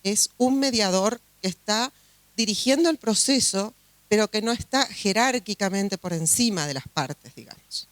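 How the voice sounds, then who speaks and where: A woman's voice: mid-range voice, expressive, moderate pace, dry recording. Uruguayan woman judge, chatty conference talk. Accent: Uruguayan Spanish. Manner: warm, chatty, many fillers and restarts. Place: conference hall.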